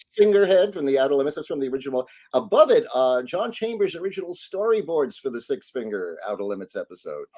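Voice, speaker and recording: A man with an American accent talks very fast in a high pitch, with hardly any pauses. His pitch swings very widely. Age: 60s. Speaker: horror historian and screenwriter. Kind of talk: casual chat. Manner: halting.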